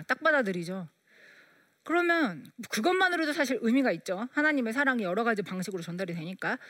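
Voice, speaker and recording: A woman telling an emotional personal story as a mother, animated and putting on voices as she goes. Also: a little high, no echo, clean studio sound.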